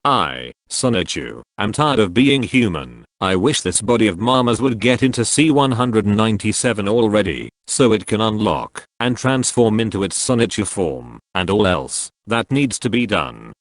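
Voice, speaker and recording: A man's voice: on the low side, very animated, normal speed, few pauses, dry recording, studio quality. A man reading social media posts aloud, speaking every handle and symbol out literally.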